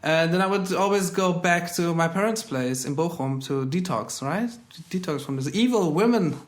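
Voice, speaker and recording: A man in his thirties who grew up in Germany, a comedian guest in a casual conversation. His voice sits a little high for a man, and he jokes in a wry, deadpan way. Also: moderate pace. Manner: wry, joking deadpan delivery.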